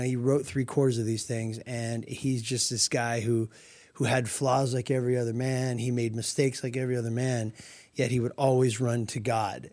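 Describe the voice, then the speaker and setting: A man's voice: medium pitch, a little mellow. Earnest man on Christian radio. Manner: earnest, reflective, quotes scripture. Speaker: radio show co-host. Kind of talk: faith radio talk.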